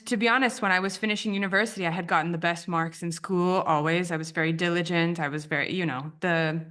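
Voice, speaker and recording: A woman in her thirties, raised in the US after a childhood in Romania, whose first language is Romanian. Her voice sits a little low, and she talks reflectively, circling back and rephrasing as she goes. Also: fairly even intonation, fast talker, a bit bright. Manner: thoughtful, repeats and restarts phrases. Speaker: guest, branding editor. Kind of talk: reflective podcast interview.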